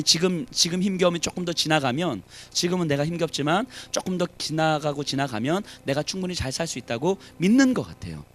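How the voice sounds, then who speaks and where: A man preaching a sermon as pastor at a church service, animated, rising to emphatic challenges and dropping to soft asides. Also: a little high.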